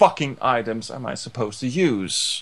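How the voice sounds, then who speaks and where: With a Danish accent, a man speaks at a fairly slow pace and a medium pitch, with lively intonation. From Denmark. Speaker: gaming podcaster. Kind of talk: casual chat.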